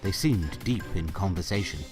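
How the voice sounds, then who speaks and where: A man delivers dramatic scripted narration. His voice is deep, with animated, expressive phrasing. Faint music plays behind him. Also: normal speed. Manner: expressive, theatrical.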